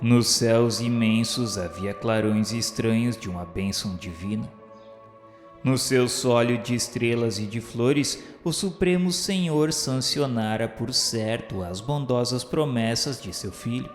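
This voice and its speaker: Slow, echoing Brazilian male narrator. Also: medium pitch. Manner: grandiloquent, measured. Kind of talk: solemn scripted radio drama narration. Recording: echoey hall reverb with faint music.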